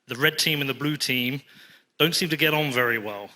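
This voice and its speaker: Bright-voiced Englishman in a reverberant hall. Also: medium pitch, fairly quick. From England. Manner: casual, many fillers. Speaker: podcast host, interviewer. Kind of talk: conference stage interview. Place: large conference hall.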